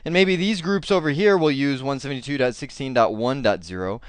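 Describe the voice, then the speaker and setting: A man teaching a casual IT lesson, talking in an animated, rambling way with many fillers and restarts. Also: mid-range voice, a little fast, clear, resonant tone, no echo. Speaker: IT instructor.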